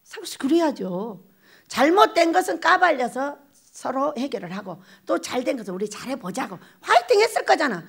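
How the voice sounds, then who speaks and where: An older woman pastor preaching a lively storytelling sermon, acting out little exchanges and laughing as she goes. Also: high voice, normal speed, vocal fry. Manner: animated, acts out quoted exchanges, laughs often. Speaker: pastor, head of a prayer retreat.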